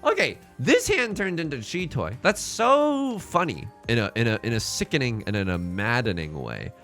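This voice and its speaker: Born in China and raised in the United States, a young streamer whose first language is Mandarin plays a game from his home setup, exhausted after a long day. He jokes, swears, and talks quickly with his chat, his medium-pitched, fairly bright voice swooping wildly over soft background music.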